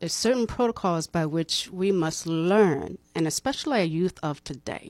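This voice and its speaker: In an American accent, a woman uses an ordinary speaking voice at a fairly low pitch with ordinary pitch variation. She goes at a fairly slow pace on a very clean recording with a silent background. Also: dry, close sound with no echo. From Boston, Massachusetts. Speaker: etiquette consultant. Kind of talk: interview. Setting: studio.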